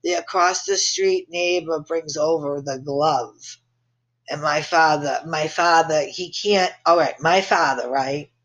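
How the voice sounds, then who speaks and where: A woman's voice: deep voice, slow, a bit bright. Woman, podcast host, casual storytelling, brash, profane, laughs at her own jokes.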